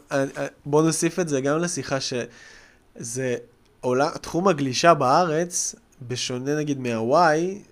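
A man hosting a podcast, asking quick questions and dropping short slangy responses. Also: medium pitch. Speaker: podcast host. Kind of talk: casual podcast conversation.

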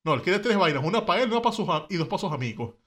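A man with a Venezuelan accent, co-hosting a podcast, retelling history in slangy, animated chat. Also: high voice, very fast. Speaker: podcast co-host. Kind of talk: casual storytelling chat.

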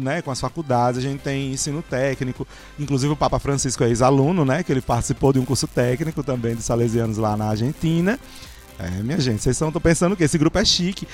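A priest hosting a podcast, who welcomes his guests and explains things at length in a chatty way. His voice sits at a middle pitch for a man. Faint music plays behind him. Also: darkish tone. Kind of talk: relaxed conversational podcast hosting.

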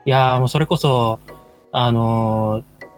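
Very low-voiced woman guest. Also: steady tone, takes it slowly, a little mellow, soft background music. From South Korea. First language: Korean. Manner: hesitant, many fillers while searching for words. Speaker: podcast guest. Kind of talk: casual chat.

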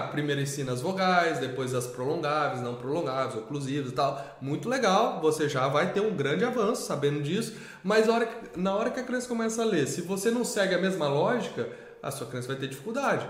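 A man co-hosts a relaxed teaching live stream in a slightly higher-than-average male voice. He tells anecdotes from his lessons and chimes in with quick agreement. His voice rings out in a strongly echoing room. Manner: storytelling, agreeable, quick affirmations. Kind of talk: casual educational live chat. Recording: very echoey room.

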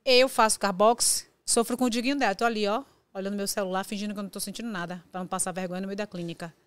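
A woman's voice: medium pitch, fairly even intonation, racing, clean tone, no echo. A woman guest in a casual chat, teasing and warning emphatically about a hard training class.

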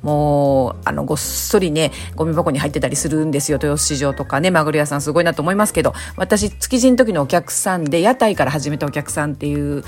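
Hoarse, low-voiced woman chatting. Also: quick pace, hardly any pauses, faint music behind. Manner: polite, chatty, frequent softening particles. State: hoarse, raspy voice from drinking the night before. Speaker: host of a snack-bar themed talk show. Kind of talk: casual solo chat monologue.

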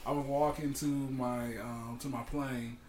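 A man's voice: mid-range voice, flat delivery, unhurried, darkish tone, echoey room, a little hiss or hum. A young man chatting casually and telling a laid-back story, with lots of fillers. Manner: laid-back storytelling, many fillers, acts out quoted voices. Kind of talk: casual chat.

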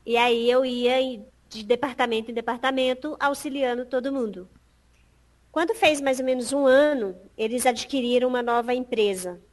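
High-voiced woman telling stories. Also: moderate pace. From Piauí, Brazil. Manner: acts out past conversations, animated. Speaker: interview guest. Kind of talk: lively storytelling.

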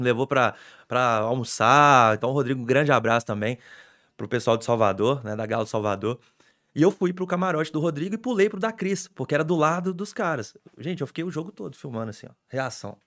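A young man tells his stories at a rapid clip, his voice jumping with excitement. He is a sports reporter chatting on a casual podcast, speaking. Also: mid-range voice. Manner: animated storytelling, excitable.

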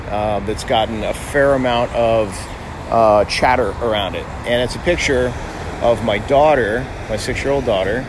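A middle-aged American man from Miami hosting a casual, conversational podcast monologue outdoors. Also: on the low side. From Miami, United States. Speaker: podcast host, doctor. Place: outdoors by a busy city street. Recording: outdoor street noise, passing cars. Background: traffic and urban ambience.

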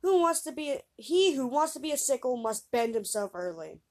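A woman's voice: high voice, sing-song, brisk, full character voice. A woman voicing a smug mocking elder brother. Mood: scornful.

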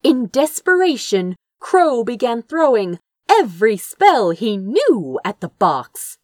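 A woman's voice: a little high, big pitch swings, slow, a little mellow, dry recording, clean studio sound. A woman reading a fantasy story aloud as narrator, with theatrical, suspenseful delivery. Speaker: fan fiction narrator.

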